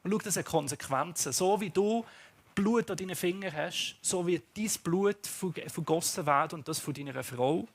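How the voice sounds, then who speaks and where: A man with a Swiss accent voicing a stern prophet who gravely warns a king of consequences. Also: sits high, moderate pace.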